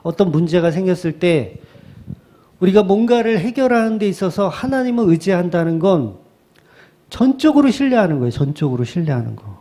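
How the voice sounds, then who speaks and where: Korean pastor guy preaching, kinda high voice but mellow tone, lively with little acted bits. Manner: lively preaching, acting out the crowd and Moses in quick asides. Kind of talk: sermon.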